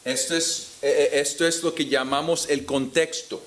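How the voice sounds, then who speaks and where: A man with a Puerto Rican Spanish accent teaching the Bible to an audience in a deliberate, explanatory way with rhetorical questions. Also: fairly high pitch, steady tone, fairly bright tone, a little hiss or hum. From Puerto Rico. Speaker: preacher teaching at a conference.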